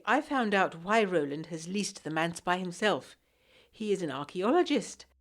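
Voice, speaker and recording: Refined young Englishwoman, gently low-voiced. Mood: curious, earnest. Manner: formal, refined, articulate, earnest. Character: genteel, frail young 1920s Englishwoman writing to her fiancé. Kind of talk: gothic period audio drama letter narration.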